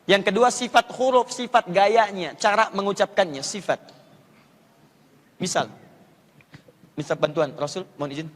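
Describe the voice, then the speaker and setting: A male Islamic preacher giving a lecture on Quran pronunciation, animated, repeating letter sounds to demonstrate them and coaching volunteers. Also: sits high, moderate pace, long pauses. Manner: coaches audience volunteers in front of a crowd. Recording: long hall reverb.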